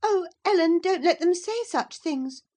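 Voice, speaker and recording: A woman's voice: very animated, a little slow, warm tone. A woman reading an audiobook and voicing a spoiled, imperious young girl who is demanding and easily brought to tears. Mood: distressed. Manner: shrill, demanding, indignant.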